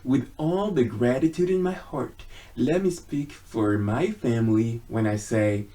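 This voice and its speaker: Man, slow pace, medium pitch, halting, earnest, casual vlog monologue. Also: warm tone. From Sweden. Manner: halting, earnest delivery with frequent pauses. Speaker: video blogger. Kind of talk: casual personal monologue to viewers.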